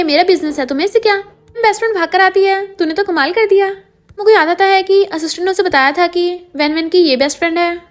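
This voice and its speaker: A woman narrating a drama recap, retelling each scene and quoting the characters' lines in her own voice. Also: extremely high pitch. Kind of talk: scripted story narration.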